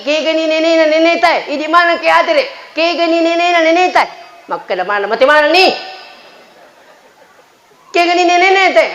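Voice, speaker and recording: A man's voice: very high voice, a bit bright. A man in his forties with a Bugis accent preaching a humorous, folksy Muslim sermon, bantering and repeating phrases to his listeners. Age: 40s. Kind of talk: humorous sermon mixing two languages. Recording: echoey, dull PA sound with crowd noise. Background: crowd murmur and light noise.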